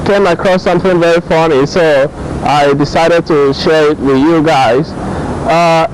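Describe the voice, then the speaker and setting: A man's voice: a little high, fairly even intonation, measured pace, background noise. A man with a Nigerian accent giving casual vlog commentary, often repeating and rephrasing his points. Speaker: YouTube host.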